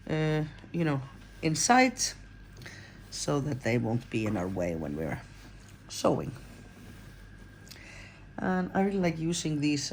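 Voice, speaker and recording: A woman's voice: deep voice, a little mellow, slight background noise. A woman in her forties with an Icelandic accent, giving a casual, chatty how-to tutorial and rambling with fillers and self-corrections. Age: 40s. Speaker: crochet pattern designer.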